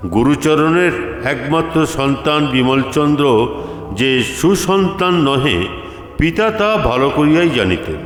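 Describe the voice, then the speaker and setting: A man's voice: a little high, lively intonation, slow pace. A man narrating a literary story from a script, with echo on his voice and music behind. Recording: echoey reverberant room, music behind.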